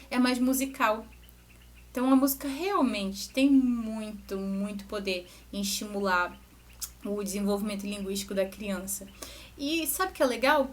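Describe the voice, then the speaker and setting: Speaking to parents in an educational talk, a music teacher who also hosts a channel guides them through a lesson. She is a young woman with a slightly high voice, and she talks loosely and conversationally, often breaking off into asides or restarting sentences.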